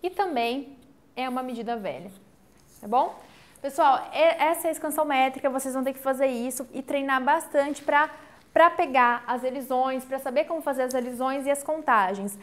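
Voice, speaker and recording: A woman teacher, giving an online literature lesson, explaining step by step and often checking in with the class. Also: high-pitched. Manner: explains step by step, counts syllables slowly aloud; checks in with frequent "tá?".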